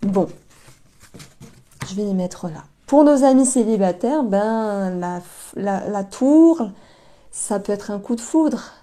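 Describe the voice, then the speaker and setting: A woman's voice: medium pitch, expressive, slow pace, pauses often, dark tone. A woman giving a casual tarot reading to camera. She talks in a chatty, hesitant way, thinking aloud and speaking straight to her viewers. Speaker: tarot card reader.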